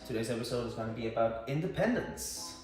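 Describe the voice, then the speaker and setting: A man's voice: mid-range voice, expressive, fast, far from the mic. A young man with a Danish accent hosts a casual podcast in a second language. His voice comes from a little way off in a strongly reverberant room. Faint music sits behind him as he feels his way toward words. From Aarhus, Denmark. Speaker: podcast host, volunteer English teacher.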